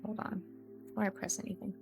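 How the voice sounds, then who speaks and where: A woman's voice: medium pitch, level tone, fast, creaky. Woman livestreamer chatting casually over music. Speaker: livestreamer host. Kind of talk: casual chat to livestream viewers.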